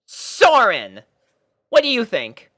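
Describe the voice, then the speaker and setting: A storyteller voicing a brash, caring, excitable cartoon pegasus pony mare with emphatic, drawn-out announcements. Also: mid-range voice, no room sound, studio quality, pitched above the performer's own voice, heavily acted. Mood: proud, announcing.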